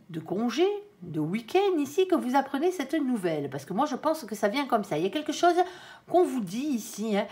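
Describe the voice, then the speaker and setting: A tired woman giving a casual tarot reading, chatty with many fillers and some stumbling. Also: on the high side. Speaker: tarot reader.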